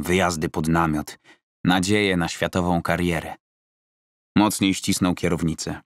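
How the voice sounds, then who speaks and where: A male audiobook narrator with a deep voice. He reads scripted fiction close to the microphone. The studio sound is dry, with no audible room. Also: no echo.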